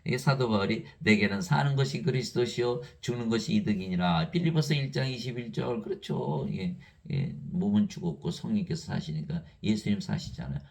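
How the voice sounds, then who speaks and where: A man preaching a sermon in an emphatic, lively way, reading scripture aloud and laughing between points. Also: on the low side, fairly quick, vocal fry.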